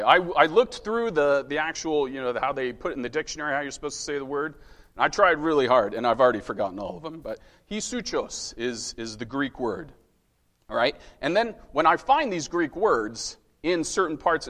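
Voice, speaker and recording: A man's voice: medium pitch, a bit bright, in a large hall. A man giving a sermon as a lay preacher, talking in a conversational, self-deprecating way with restarts and frequent check-ins with his listeners.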